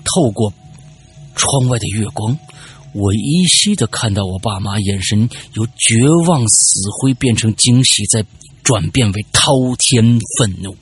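A man hosting a podcast, telling a personal story casually, animated and stammering when excited. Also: lowish voice, a little slow, husky, faint music behind.

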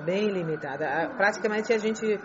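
A middle-aged woman whose first language is Chinese, answering interview questions in a halting way, repeating phrases and restarting words. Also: medium pitch. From grew up in Beijing, China. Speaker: interview guest. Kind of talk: conversational interview. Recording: muffled with crowd murmur behind.

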